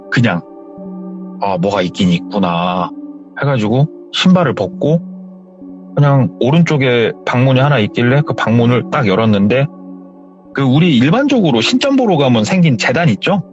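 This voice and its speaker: A man retells a horror story like a radio host, his pitch lively and rising and falling as he talks. The recording is slightly dull, with faint music underneath. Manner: animated retelling, conversational. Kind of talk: told horror story, casual spoken.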